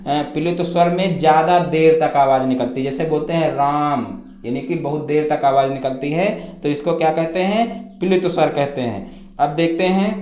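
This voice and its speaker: Man, teacher, slightly high voice, repeats definitions, asks and answers own questions, roomy echo. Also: darkish tone, a little hiss or hum. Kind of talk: classroom grammar lesson. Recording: echoey room, dull lo-fi sound.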